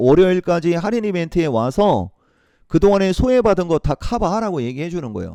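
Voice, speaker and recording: Loud and high-pitched for a man, his dark, mellow voice swings very widely in pitch at a moderate pace, with a dry, close sound and no echo. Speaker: stock market lecturer. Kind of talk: stock trading lecture.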